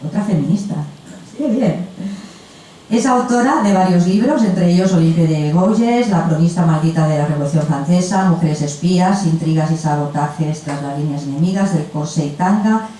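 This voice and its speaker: Echoey, low-voiced woman moderating. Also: moderate pace, mellow. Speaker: moderator of a literary festival panel. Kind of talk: informal spoken introductions of panel guests. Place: event room at a festival. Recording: echoey room, distant mic, faint noise.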